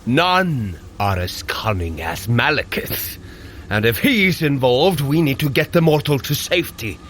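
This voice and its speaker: An actor playing a hearty, noble warrior god in an audio drama, speaking in a grand, earnest, declamatory way. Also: male voice, mid-range voice, lively intonation, a little slow, a bit bright, slight background noise. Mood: wary. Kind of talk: scripted audio drama acting.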